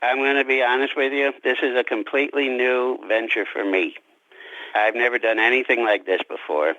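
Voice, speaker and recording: A man speaking as an interview guest, an author, conversational, measured and wryly modest, on a remote recording. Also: mid-range voice, fairly even intonation, sharp tone, dry recording, dull audio.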